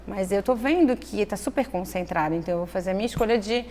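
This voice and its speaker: A woman in casual conversation, explaining parenting ideas in a thoughtful, measured way, often checking in with "né". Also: mid-range voice, darkish tone. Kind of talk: conversational interview. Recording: echoey room with faint noise.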